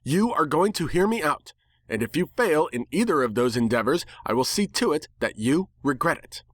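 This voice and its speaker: A man acts out a magical talking bird, a posh and feminine creature of a storybook world. She speaks formally and imperiously, pitched up from a male register, and takes offence easily. The sound is dry and close. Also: lively intonation, moderate pace, no room sound. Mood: stern, commanding. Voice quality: soft, feminine. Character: haughty, regal female magical talking bird, easily affronted.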